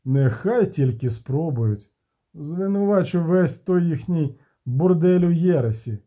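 A man's voice: a little high, expressive, measured pace, dark tone, pitched above the performer's own voice. A man voicing a pompous, self-important male city official. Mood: officious.

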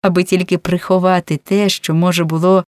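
A woman reads a novel aloud in a fairly low voice. She narrates expressively, lifting her pitch on key words. The recording is dry and close, with no room sound. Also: brisk, dry recording. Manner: expressive reading with rising emphasis. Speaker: audiobook narrator.

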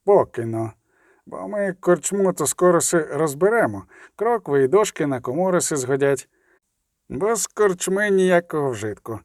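A man's voice: a little high, lively intonation, moderate pace, no echo, clean studio sound, close to an everyday voice. A man voicing a sullen, curt village settler. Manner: gloomy, curt. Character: sullen male settler, terse and distrustful.

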